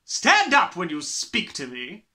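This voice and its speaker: Man putting on a shrill, domineering bully headmistress. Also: wildly swooping pitch, full character voice. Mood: sharp, accusing. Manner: shouting, snapping, drawn-out emphatic words. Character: domineering, bullying middle-aged headmistress, harsh and sneering. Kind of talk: dramatised children's storybook reading.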